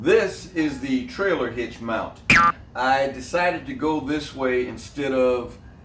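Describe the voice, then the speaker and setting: Speaking at a very slow pace, a man with a medium pitch shows ordinary pitch variation amid audible room echo. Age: 60s. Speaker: DIY motorcycle hobbyist vlogger. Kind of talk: tutorial. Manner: casual, with fillers.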